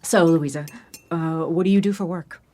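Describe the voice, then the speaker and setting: An actress as a gentle, low-voiced middle-aged woman. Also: steady tone, moderate pace, a little hiss or hum, close to an everyday voice. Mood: friendly. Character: kindly older woman, former therapist, friend of a late mother. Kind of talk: naturalistic audio drama acting.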